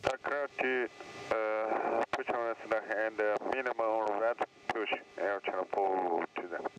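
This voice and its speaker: Lowish male pilot on crackly radio. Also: steady tone, unhurried. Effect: aviation radio transmission. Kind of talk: aviation radio readbacks. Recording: noisy, distant aviation radio.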